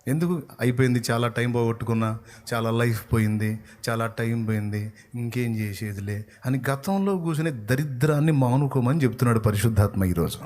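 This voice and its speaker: A male pastor with a Telugu accent preaching an evangelical sermon, scolding and urging his listeners, swinging between loud outbursts and hushed lines. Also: mid-range voice, brisk, slight background noise.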